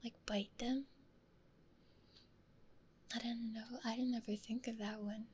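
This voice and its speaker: Female ASMR streamer, hushed breathy whisper, unhurried gentle delivery, close stereo mic, faint background noise. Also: a little high, flat delivery. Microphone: close stereo ASMR microphone.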